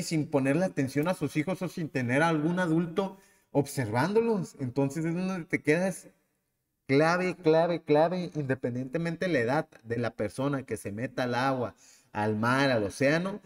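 A man in his thirties with a Mexican accent, hosting a podcast and telling a personal story in a lively, casual way. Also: fairly high pitch, normal speed, big-room sound. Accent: Mexican Spanish. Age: 30s. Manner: animated, acts out the people in his story. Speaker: podcast host.

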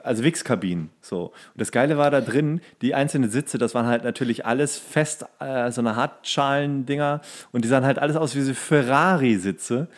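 A man with a mid-pitched voice talks as a podcast co-host. He rambles through stories in a loose, joking way, often correcting himself and voicing other people's remarks. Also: fairly quick, few pauses. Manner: rambling, self-correcting, acts out quoted remarks. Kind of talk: casual comedic chat with anecdotes.

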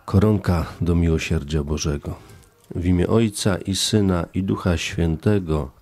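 A deep-voiced man, a priest hosting a radio show, who speaks in a calm and level way. He closes the program and then leads a prayer with little rise or fall in his voice. The sound is dry and close, recorded in a studio. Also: measured pace, no room sound. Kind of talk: radio show closing remarks and leading a spoken prayer.

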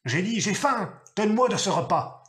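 A man voicing a gruff, half-mad giant father who barks harsh shouted orders in a story reading. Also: on the high side, very animated, measured pace. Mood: commanding.

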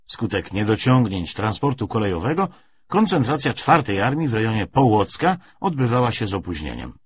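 A man's voice: lowish voice, a little hiss or hum. A man reading a novel aloud as an audiobook narrator, in scripted literary narration. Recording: dull lo-fi recording.

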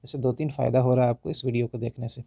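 A man with an Indian accent teaching English pronunciation, explaining slowly and reading example sentences word by word with stress. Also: medium pitch, little pitch movement, vocal fry, warm tone, slightly rough, dry recording. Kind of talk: spoken English lesson in Hindi.

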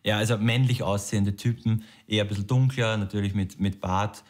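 Thirty-year-old man, low voice. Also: fairly even intonation, a little fast, a little mellow. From Lower Austria. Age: 30s. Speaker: dating show candidate. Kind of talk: interview. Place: home kitchen.

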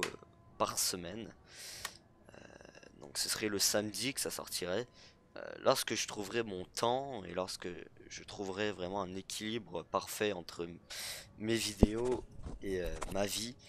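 Un homme qui commente sa partie de jeu de stratégie sur un ton décontracté, en hésitant beaucoup avec des « euh ». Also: male voice, sits low, noisy background. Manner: hesitant, full of euh fillers. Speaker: gaming YouTuber. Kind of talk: casual let's play commentary.

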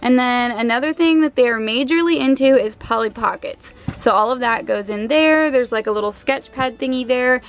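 Chatty young mom, slightly high voice. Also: female voice, normal speed, few pauses. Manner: chatty, relaxed, explaining as she shows things. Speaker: vlogger, mother of three girls. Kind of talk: casual organizing vlog narration. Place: small home, indoors.

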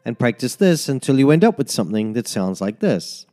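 This tin whistle lesson is narrated by a male music teacher whose medium-pitched voice has a sing-song lilt. He gives slow, careful fingering instructions one step at a time.

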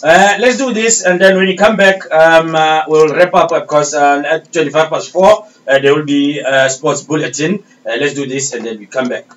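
A man hosts a radio interview and handles the links to the next segment. His voice sits somewhat high and sounds set back from the microphone, with a faint hiss of noise behind it. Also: steady tone, normal speed, few pauses, a bit bright. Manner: brief backchannel murmurs, switches to Setswana for on-air links. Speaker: radio host. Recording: distant mic with faint noise.

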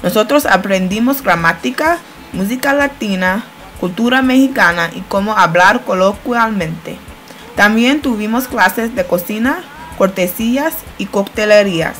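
A woman's voice: medium pitch, expressive, measured pace, a bit bright, soft background music. Young woman reading a study-abroad voice-over. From United States. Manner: plain, careful learner's delivery. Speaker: student narrating a study-abroad video. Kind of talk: read-aloud voice-over narration.

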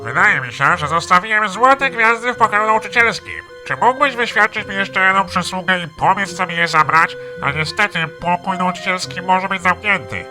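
A courteous, proper schoolteacher, handing out tasks in careful, formal sentences. His tone is sharp and bright and moves a lot in pitch, over soft game music. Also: animated, full character voice. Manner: formal, measured instructions. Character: polite male schoolteacher.

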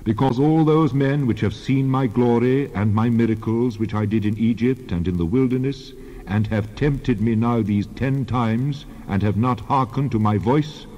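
Man acting stern God, low and echoing. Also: warm tone, natural voice. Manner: solemn, declamatory. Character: God, stern majestic male divine judge. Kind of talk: dramatized scripture reading. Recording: long reverb, slightly dull sound.

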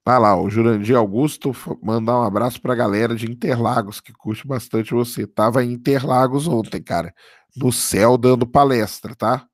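A man, hoarse from a cold, casually commenting on a live stream and answering viewer chat, often checking in with "tá?". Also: mid-range voice, fairly even intonation, moderate pace, dry recording. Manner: casual, keeps adding "tá?" for confirmation. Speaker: livestream host.

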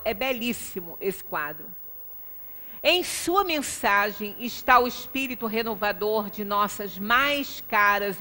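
High and forceful, the voice of a middle-aged Brazilian-accented woman delivers an explanatory, conversational spiritual talk as a Spiritist center lecturer. Unhurried and emphatic, she stresses points and adds frequent rhetorical tag questions. The small indoor lecture room rings with long reverberation, recorded on a distant microphone.

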